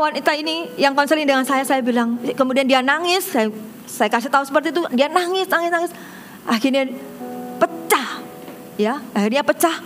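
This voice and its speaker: A woman pastor delivers a sermon in a high, bright-pitched voice. She preaches like a storyteller, pushing lines out loud for emphasis, then dropping to soft, low asides. Faint music sits underneath.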